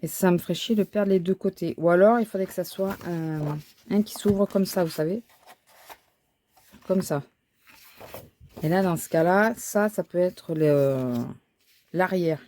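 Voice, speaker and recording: A woman's voice: lowish voice, measured pace, long pauses, warm tone, slight background noise. A woman thinking aloud as she crafts, talking casually with frequent fillers and restarts. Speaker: crafting vlogger. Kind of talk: casual chat while crafting.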